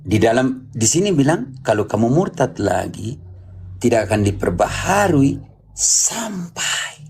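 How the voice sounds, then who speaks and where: A man's voice: mid-range voice, sing-song, a little slow, a little mellow, slightly rough. A man preaching as a Catholic Bible teacher, emphatic, repeating phrases and prompting with questions. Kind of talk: interactive Bible teaching, apologetics.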